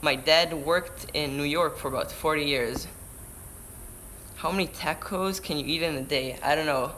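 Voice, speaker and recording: On the high side, bright and forceful at a moderate pace, this is the voice of an Israeli teen surfer vlogger with a Hebrew accent. He chats on a live stream, reads viewer questions aloud and answers them, frequently restarting words mid-sentence. A camera-mounted shotgun mic indoors by a window yields a low-quality recording with a little hiss or hum.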